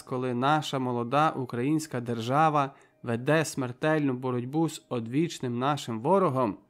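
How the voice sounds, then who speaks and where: A man voicing a tall young captive soldier who speaks with a sharp, fiery voice in an impassioned speech to a crowd. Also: mid-range voice, natural voice. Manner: impassioned pleading speech, raised and loud.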